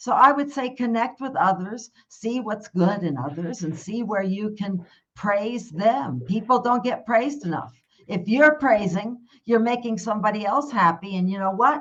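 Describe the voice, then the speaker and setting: A woman's somewhat breathy voice with lively intonation and big swings in loudness. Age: 60s. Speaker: happiness coach. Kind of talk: interview.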